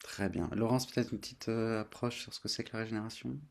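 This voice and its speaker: A man hosting a workshop, explaining things to a group spontaneously in a halting, searching way. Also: on the low side, steady tone, vocal fry, crowd noise. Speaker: workshop host and facilitator. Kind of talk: spontaneous presentation to an online group.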